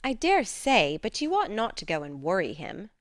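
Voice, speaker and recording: A woman's voice: mid-range voice, huge pitch swings, moderate pace, no echo, studio quality. A woman voicing a spirited, sensible teenage girl in a storybook, coaxing and frank. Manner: soothing, frank. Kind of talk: storybook character dialogue.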